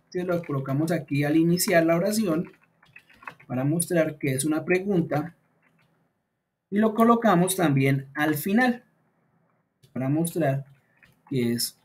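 A male teacher talks through an online beginner lesson, thinking aloud as he adjusts his slides. He leans on fillers and stretches out example sentences slowly so learners can follow the intonation. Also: on the high side, a little mellow, a little hiss or hum. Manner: thinks aloud while editing slides, many fillers like "pues" and "entonces"; slows down to model example sentences. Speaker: English teacher.

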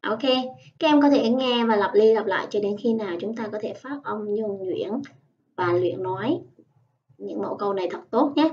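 A woman teaching English in an online lesson, patiently explaining and modelling phrases slowly. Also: medium pitch, a little mellow. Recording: dull, slightly distant lo-fi sound.

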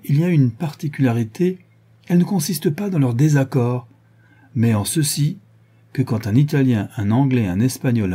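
A man's voice: medium pitch, husky. A man reading a cool, methodical young detective. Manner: calm lecturing reasoning, measured. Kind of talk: audiobook reading.

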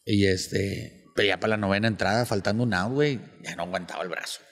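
A man's voice: fairly low pitch, fast, long reverb tail. A man with a Mexican Spanish accent, a stand-up comedian chatting on a podcast and telling long jokes in a slangy, storytelling way. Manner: slangy, storytelling, acts out joke characters in raised voices. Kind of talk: casual podcast chat with joke telling.

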